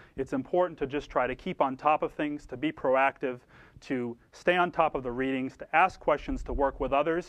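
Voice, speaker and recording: A man with a fairly high pitch talks at a fairly quick pace. The sound is dry and close with no echo, over a quiet background. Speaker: university professor. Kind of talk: lecture. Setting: TV studio classroom. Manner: fast; animated.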